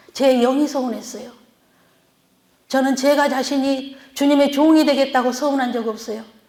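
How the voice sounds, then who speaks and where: Over audible room echo, a woman talks at a moderate pace in a high pitch, her intonation monotone and flat, with long, frequent pauses. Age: 60s. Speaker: preacher. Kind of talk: sermon testimony. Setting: church.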